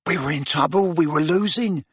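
A man's voice: moderate pace, breathy edge, no room sound. A man voicing a shaken witch fighter who recounts a battle in clipped, urgent phrases with a hollow tone. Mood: grim, urgent. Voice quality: low, hollow.

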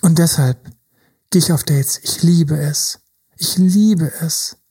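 A man's voice: on the high side, slow, mellow, breathy edge. A man giving a motivational talk as a relationship coach, emphatic and dropping now and then into whispers to act out inner voices. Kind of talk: motivational monologue.

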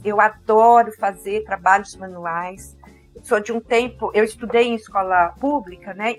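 Thoughtful older woman with caipira accent. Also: fairly high pitch. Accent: caipira accent of interior São Paulo, with a strong R. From interior of São Paulo state, Brazil. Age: 50s or older. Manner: thoughtful, pausing to search for words. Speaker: interview guest. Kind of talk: reflective personal conversation.

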